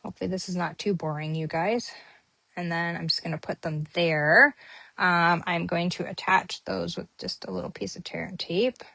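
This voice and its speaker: A woman's voice: on the low side, moderate pace, gravelly, sharp tone, no room sound. A woman hosting a casual papercrafting tutorial, chatting with many ums as she works on her project. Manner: chatty, many ums, talks while working. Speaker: papercrafting host.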